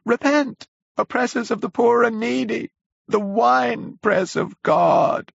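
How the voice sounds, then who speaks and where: A man doing a shrill, frenzied curate. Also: takes it slowly, gravelly, breathy edge, no room sound, heavily acted. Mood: ranting. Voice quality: shrill, wailing preacher's cry. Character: frenzied male curate, ranting prophet. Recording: dull, lo-fi.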